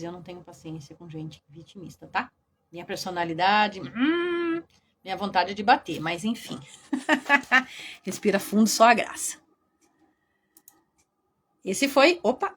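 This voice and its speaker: A woman with a Brazilian Portuguese accent teaching a Christian workshop lecture in a lively, chatty way, addressing her audience directly. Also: medium pitch, a little hiss or hum.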